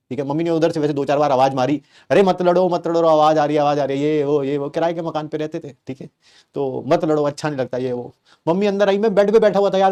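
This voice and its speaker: A man's voice: a little high, a little mellow. A middle-aged man from Delhi, a teacher telling a comic personal story to his class with exaggerated flair and rhetorical questions. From Delhi, India.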